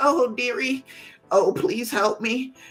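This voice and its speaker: A put-on character voice at a fairly high pitch, with faint music in the background. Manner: pleading, frail.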